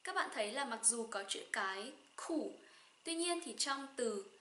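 A young woman from Vietnam with a Northern Vietnamese accent, teaching a slow pronunciation lesson and saying each example word twice. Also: a little high, animated, pushed and bright, reverberant, a little hiss or hum. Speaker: German teacher.

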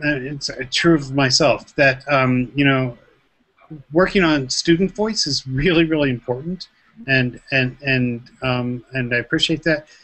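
A man's voice: medium pitch, a little slow, pushed and bright, low-quality recording. A middle-aged man hosting a video call discussion, friendly and chuckling, with hesitant restarts. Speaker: host.

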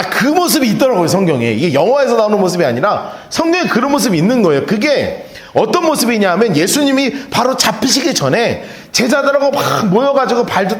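A middle-aged male pastor preaches a chatty sermon in a high, very lively voice. He talks straight to the congregation and laughs between his points. The sound carries the echo of a large church hall. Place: church sanctuary. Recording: roomy church reverb.

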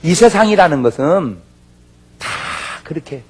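Here the man speaks at a measured pace, his voice husky and a little high. As a pastor preaching a lighthearted revival sermon, he performs the characters in his tales with lively storytelling and shouts.

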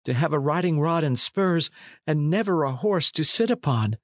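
A man's voice: fairly high pitch, lively intonation, moderate pace, dry recording, studio quality, voice pushed up, close to an everyday voice. A man voicing a plaintive, delicate but proud young runaway in a storybook, in courtly pleading archaic speech. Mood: pleading, rueful. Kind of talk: storybook character reading.

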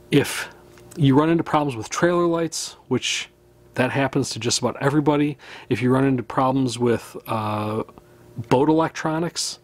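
A man in his thirties talks straight to the camera in a small indoor room, explaining what to pack for a fishing trip. His voice sits at an ordinary middle pitch, and his delivery is relaxed and practical, with small chuckles here and there. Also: slight background noise. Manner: easygoing, practical, with small laughs. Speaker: fishing channel host. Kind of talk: casual to-camera gear talk. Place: indoors, small room with wood-panel wall.

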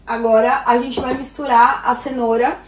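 Chatty high-voiced young woman host. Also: level tone, moderate pace, husky. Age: young adult. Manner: chatty, with filler "tá?" tags. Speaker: cooking show host. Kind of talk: casual cooking demo. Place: home kitchen and living room, indoors.

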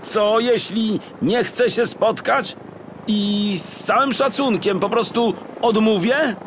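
A man's voice: high-pitched, takes it slowly, slight background noise, pitched above the performer's own voice. A man voicing a flustered, whiny, indignant detective in a children's audiobook, exclaiming and protesting. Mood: defiant. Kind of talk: audiobook character acting for children.

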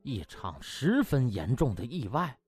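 A man narrating a comic audiobook in an animated, theatrical way with drawn-out emphasis. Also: mid-range voice, faint music behind.

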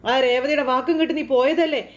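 An angry middle-aged mother scolds her son with shouted, reproachful questions, as a woman puts her on while retelling a TV serial. The voice sits somewhat high and moves fast. She sounds like she is confronting him head-on. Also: steady tone, close to an everyday voice. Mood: angry scolding.

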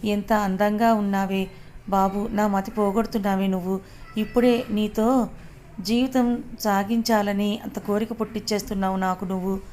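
An obsessive young college man from a read-aloud story, as a woman reader puts him on, menacing and possessive. He speaks slowly and leeringly, or snaps out quick angry threats. The voice stays fairly flat in pitch. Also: a little hiss or hum, natural voice.

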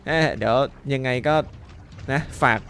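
A man playing a mobile shooter and commentating, playful and often breaking into loud, excited yelling during fights. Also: medium pitch, measured pace, gravelly, slight background noise. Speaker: gaming YouTuber.

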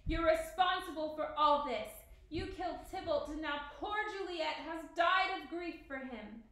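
A woman voicing a furious young nobleman in a storybook, accusing and forceful. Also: sits high, measured pace, pitched above the performer's own voice. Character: furious, snarling young nobleman, jealous rival. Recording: very echoey room.

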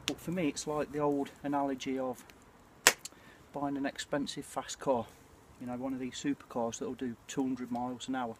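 A British man in his forties chatting casually and reflectively to camera, with a hesitant, throat-clearing delivery. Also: medium pitch, level tone, moderate pace. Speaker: bushcraft vlogger. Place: outdoors at night by a small campfire. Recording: clear ambient noise of an outdoor campfire.

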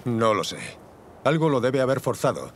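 A man voicing a calm, reasonable village gentleman in a cartoon dub. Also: medium pitch, moderate pace, lightly acted. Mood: calm, reasoning. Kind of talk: animated series dubbing.

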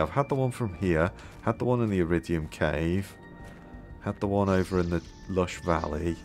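A man musing aloud as he plays a game, his voice a little hoarse, with many fillers. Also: low-pitched, darkish tone. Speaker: gameplay video host. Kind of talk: casual gameplay commentary.

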